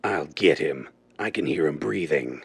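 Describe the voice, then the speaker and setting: A man playing a sinister, menacing gunman with a gravelly voice in a 1930s radio drama style. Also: very deep voice, animated, a little slow, no echo, full character voice. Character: menacing male gunman villain hunting in darkness.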